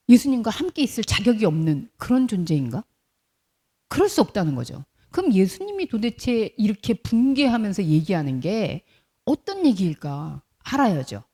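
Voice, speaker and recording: Woman pastor, sermon; animated, husky, quizzes the congregation. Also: mid-range voice. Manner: animated storytelling, acts out quotes; asks the congregation questions.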